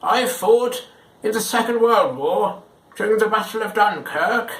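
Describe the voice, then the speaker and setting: A gruff old soldier with a raised, strained timbre and a scolding edge, as a young man acts him out. He speaks loudly and sternly in an echoey room. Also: high voice, a little slow, distant mic, voice pushed up. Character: old British war veteran, stern and proud.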